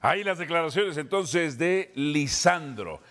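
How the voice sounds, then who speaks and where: A man's voice: fairly high pitch, animated, unhurried, a bit bright. Teasing man hosting a sports panel. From Guatemala. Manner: teasing, punchy, announcer-like teases. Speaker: host. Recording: music bed clearly behind.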